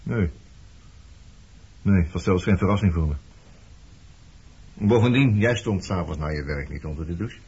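A man acting in a radio play as an evasive, detached former lover, talking in a dry, offhand, probing and faintly mocking way with a husky, rough-edged voice. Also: low voice, moderate pace, pauses often, darkish tone, exaggerated voice. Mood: musing, probing. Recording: dull lo-fi old radio recording.

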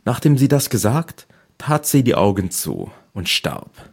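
A man reading a fairy tale aloud as narrator, with a calm, measured storytelling manner. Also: medium pitch, gravelly, husky.

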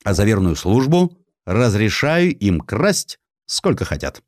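A man's voice: fairly low pitch, big pitch swings, measured pace, dry recording, clean studio sound. A man voicing a pompous, blunt, commanding police chief of tsarist times in an audio drama. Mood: smug, commanding.

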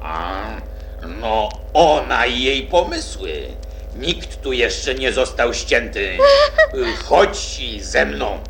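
A man's voice: mid-range voice, lively intonation, very slow, gravelly, fairly bright tone, soft background music, heavily acted. A man playing a jovial, offhand mythical beast with a lazy, casual manner in a children's radio play. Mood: amused.

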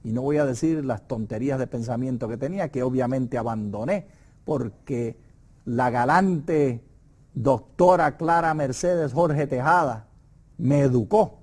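A man's voice: mid-range voice, a little slow, darkish tone. A middle-aged Puerto Rican man with a Puerto Rican Spanish accent, leading a conversational Bible study lesson in an emphatic, preacherly way. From Puerto Rico.

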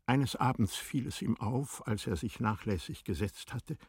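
A man narrating a literary radio drama in measured, formal storytelling style. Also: mid-range voice, slightly rough, dry recording, clean studio sound.

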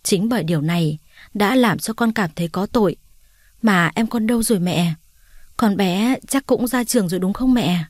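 A tearful young woman comes home after years away, voiced by a female narrator. She speaks in a pleading, emotional voice at a middling pitch. The sound is dry and close. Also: moderate pace, dry recording, lightly acted.

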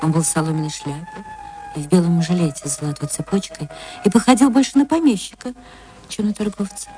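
A woman narrating an old radio play with an emotional manner and sweeping pitch swings. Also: quick pace, mellow, soft background music.

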